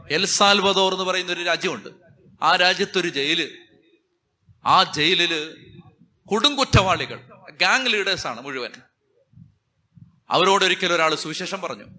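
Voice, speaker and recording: A man's voice: sits high, bright, forceful tone. A man with a Malayali accent, a Catholic priest preaching a sermon with emphatic, repeating phrases.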